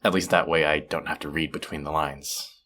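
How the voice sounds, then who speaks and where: A male actor performs an awkward young man with a deep voice in an intimate, one-sided audio drama. He is sweet and apologetic, talking as if on a phone call. His delivery is hesitant and rambling, full of self-deprecation. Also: fairly even intonation, a little fast, pushed and bright, exaggerated voice. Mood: sheepish, explaining.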